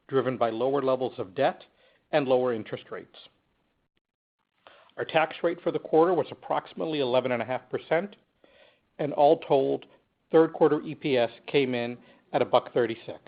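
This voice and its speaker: A man with a medium-pitched voice delivers a prepared earnings presentation as a company executive. His delivery is measured and businesslike, clearly read from a script. The audio is a little dull and lo-fi, as on a conference call.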